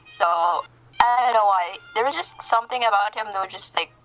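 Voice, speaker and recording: A woman guest chatting casually in an enthusiastic, halting, gushing way. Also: mid-range voice, fairly bright tone, faint music behind, low-quality recording. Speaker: podcast guest. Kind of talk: casual interview chat.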